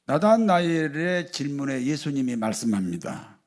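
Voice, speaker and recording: A male pastor giving a sermon, often putting rhetorical questions to the congregation and moving between loud emphasis and quiet asides. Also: on the high side, big pitch swings, normal speed.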